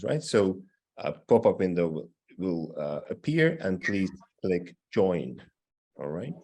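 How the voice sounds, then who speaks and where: His voice sits low, slightly rough and a touch mellow. Hosting a teachers' meetup on a video call, he walks everyone through casual instructions step by step, frequently asking "right?" or "okay?".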